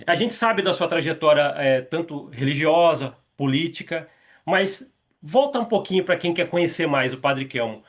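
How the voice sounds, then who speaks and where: A Brazilian podcast host with a quite high voice asks his guest questions. He keeps it friendly and chatty. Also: expressive, moderate pace. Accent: Brazilian Portuguese. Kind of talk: interviewing a guest.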